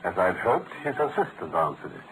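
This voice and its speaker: World-weary brainy british detective, very expressive, old radio drama with a bit of hiss. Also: male voice, low voice, fairly quick. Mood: precise, deductive. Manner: articulate, theatrical, explanatory delivery. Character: brilliant, precise, world-weary gentleman detective. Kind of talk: 1940s-style radio drama acting. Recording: noisy old-time radio recording.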